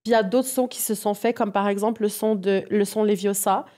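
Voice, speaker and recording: A woman talks as a guest in a relaxed interview. Her voice is soft-edged and mellow, and she speaks informally, slipping English music terms into her storytelling. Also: mid-range voice, a little fast. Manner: informal, mixes English music slang into French. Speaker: guest, music project producer.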